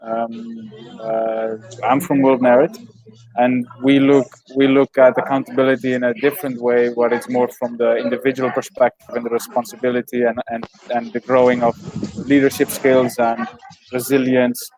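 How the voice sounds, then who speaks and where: A man from the Netherlands, a guest speaker talking over a video call from a village cafe, halting with restarts. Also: medium pitch, flat delivery, a little mellow, poor audio. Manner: halting, many restarts and fillers. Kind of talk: casual video call chat. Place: cafe in a small mountain village.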